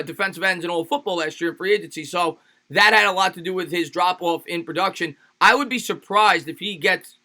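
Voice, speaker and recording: A man hosting a casual sports livestream, reading fan donations aloud in an energetic, hyped-up way, his voice a little raspy and tired. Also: sits high. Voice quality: slightly raspy. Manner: energetic, hypes up fans. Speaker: sports YouTube host reading super chats.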